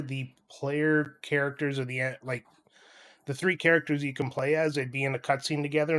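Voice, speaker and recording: A man co-hosting a podcast, casually reviewing video games with blunt, informal complaints. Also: medium pitch. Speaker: podcast co-host.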